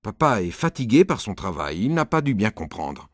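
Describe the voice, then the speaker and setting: A man voicing a patient mother in a storybook reading, speaking in a gentle, soothing way. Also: on the low side, big pitch swings, normal speed, no echo, studio quality. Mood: calm.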